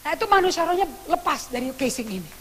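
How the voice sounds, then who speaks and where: A woman pastor, preaching a sermon and telling a story in an animated way, acting out what people said. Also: sits high, fast talker. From Indonesia. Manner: animated storytelling with acted quotes. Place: church. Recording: long reverb church hall with faint hiss.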